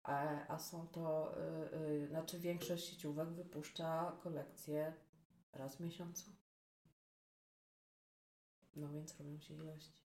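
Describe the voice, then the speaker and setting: A woman's voice: low voice, flat delivery, slow, pauses often, dark tone, recorded from a distance. A woman guest who runs a fashion business, talking casually and hesitantly with many fillers. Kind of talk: casual conversational interview. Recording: roomy echo, speaker off-mic.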